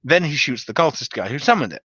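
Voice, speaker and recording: A man's voice: medium pitch, big pitch swings, fast, bright, forceful tone, slightly rough, no echo, muffled recording. A man giving a dramatic reading of a comic tabletop-game story, with theatrical, wry emphasis. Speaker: narrator.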